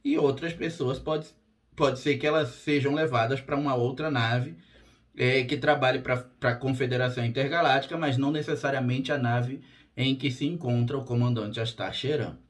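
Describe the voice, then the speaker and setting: A man whose voice is hoarse and strained, with a raspy edge that breaks now and then. He talks casually and directly to his viewers as a spiritual therapist, plain-spoken and unfussy, in a mid-pitched voice. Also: fairly even intonation, moderate pace. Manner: direct and plain-spoken, frequent "tá?" check-ins. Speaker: spiritual therapist and channel host. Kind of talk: casual monologue to camera.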